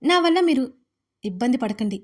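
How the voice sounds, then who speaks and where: Woman voicing tearful young bride in audio storybook, frightened yet stubborn, soft pleading, high voice. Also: lively intonation, normal speed.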